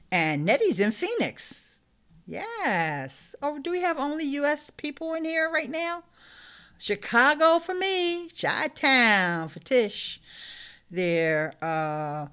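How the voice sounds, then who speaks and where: A woman's voice: on the high side, fairly bright tone. A middle-aged woman hosting a casual live stream, chatting upbeat with her viewers and laughing often. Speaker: YouTube live stream host. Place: small room indoors.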